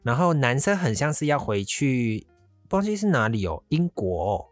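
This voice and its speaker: A man's voice: mid-range voice, big pitch swings, moderate pace, no echo, faint music behind. A man casually telling a travel story, rambling along and slipping into English phrases. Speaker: vlogger.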